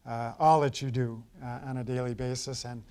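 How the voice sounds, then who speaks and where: A man's voice: mid-range voice, level tone, a little mellow, smooth. Formal male mayor presenting an award. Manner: measured and formal, with fillers. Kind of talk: formal public remarks. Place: council chamber.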